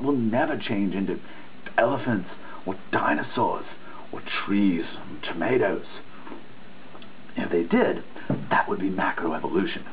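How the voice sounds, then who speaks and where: A man giving a dramatic reading of a written text, earnest and emphatic in a preachy way, now and then stumbling over a word. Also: fairly low pitch. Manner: earnest, emphatic, preachy delivery with occasional misreadings. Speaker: reader of a dissertation. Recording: tinny phone-like sound with faint noise.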